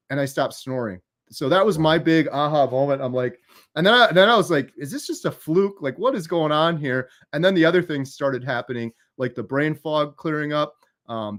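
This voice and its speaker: Animated man hosting a livestream. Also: fairly high pitch. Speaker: host. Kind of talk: casual livestream chat.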